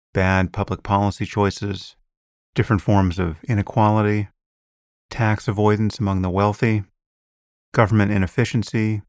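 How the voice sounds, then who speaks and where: A man hosting a podcast, reading a measured introduction and then interviewing his guest. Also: on the low side, no echo, clean studio sound. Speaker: podcast host.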